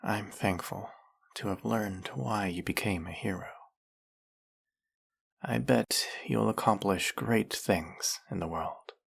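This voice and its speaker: Man doing a snake-headed villain, very low voice, slow and measured, gravelly, formal and soft-spoken, audio roleplay. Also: heavily acted. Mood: gentle, soothing.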